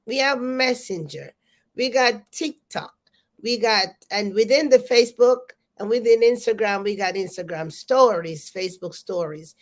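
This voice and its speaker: Woman, congested, live stream host, energetic, repeats herself to the audience. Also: medium pitch. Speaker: host of a live business coaching show. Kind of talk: live stream talk to viewers.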